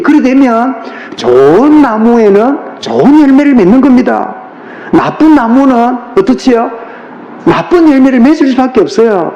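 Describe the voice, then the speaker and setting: A middle-aged man preaches a sermon with a Gyeongsang accent, his fairly high voice rising and falling with great liveliness. He talks in a homely, colloquial way and keeps putting questions to his listeners. The sound is roomy and muffled, like a lo-fi recording in a church sanctuary. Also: warm tone. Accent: Gyeongsang Korean. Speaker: pastor.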